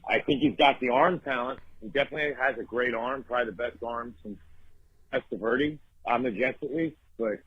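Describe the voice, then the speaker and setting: Husky caller on a voicemail. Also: male voice, mid-range voice. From Long Island, New York. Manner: hesitant, halting with repeated restarts. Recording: dull, lo-fi phone voicemail.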